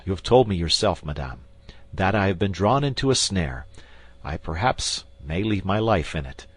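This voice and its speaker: A man's voice: low voice, sing-song, normal speed, husky, no echo, heavily acted. A man reading an audiobook, voicing a passionate, reckless nobleman with fervent delivery.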